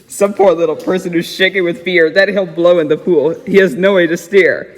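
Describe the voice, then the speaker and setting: A man voicing a gentle, protective storybook elephant with earnest, measured pleading in an amateur reading. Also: high voice, steady tone, natural voice. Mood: earnest, concerned. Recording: reverberant hall-like echo.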